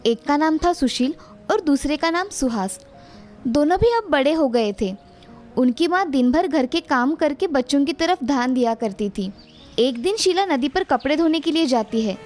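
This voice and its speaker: Female storyteller, high voice, dramatic scripted narration over soft music.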